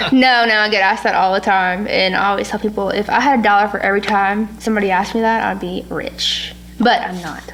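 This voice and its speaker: A woman with a Louisiana accent speaks at a very fast pace, medium in pitch and fairly even in intonation, with noticeable background noise and audible room echo. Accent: Louisiana country. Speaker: singer-songwriter. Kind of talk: casual interview chat.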